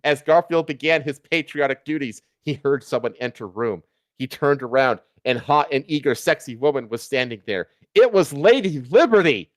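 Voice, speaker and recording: A man's voice: mid-range voice, expressive, moderate pace, no echo. A man reading fan fiction aloud as a streamer, in a dramatic storytelling style.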